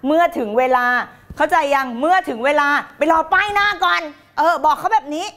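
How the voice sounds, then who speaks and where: A woman's voice: very high voice, a little fast, fairly bright tone. A middle-aged woman teaching on a live stream, reading viewer comments in a playful, theatrical way. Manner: playful and theatrical, laughing and putting on voices.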